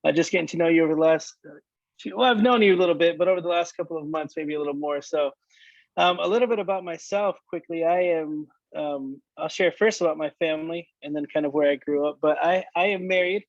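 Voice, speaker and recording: Chatty but halting, this higher-voiced man in his late thirties is a worship leader guest from Michigan in casual conversation, restarting often and using many fillers. There's no echo, and the highs are cut off.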